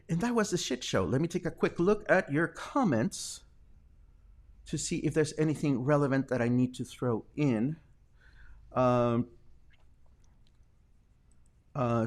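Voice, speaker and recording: A man's voice: mid-range voice, very animated, normal speed, pauses often. A man from Mexico hosting a daily live news stream, talking earnestly and defensively, with fillers and restarts.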